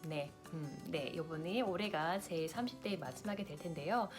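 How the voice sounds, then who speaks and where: A woman's voice: low voice, normal speed. Vlogger, woman, late 30s, big-sister advice to camera, faint music under. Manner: warm big-sister advice, direct address to viewers. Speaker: lifestyle vlogger.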